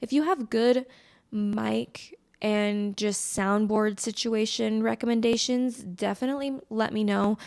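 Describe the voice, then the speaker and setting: A woman's voice: on the high side, steady tone, measured pace, vocal fry, darkish tone. An American woman hosting a solo podcast in a casual, chatty way, with a scratchy, slightly congested voice on a close microphone. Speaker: podcast host.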